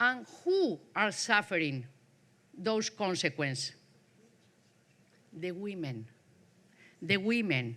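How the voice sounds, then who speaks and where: A woman with a bright, sharp tone and a medium pitch speaks very slowly, her pitch swinging very widely, with long and frequent pauses on a very clean recording against a silent background. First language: not English. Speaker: conference speaker. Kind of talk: conference speech. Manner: halting.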